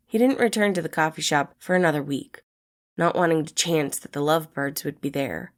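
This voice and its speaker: A woman narrates a piece of written fiction. Her voice sits a little low, and she delivers the prose as a scripted storybook reading. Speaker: podfic narrator.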